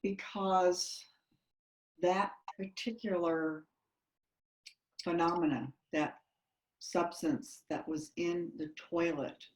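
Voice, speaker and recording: A woman author answering an interview question in measured, pausing speech. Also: fairly low pitch, steady tone. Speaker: guest author. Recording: roomy echo.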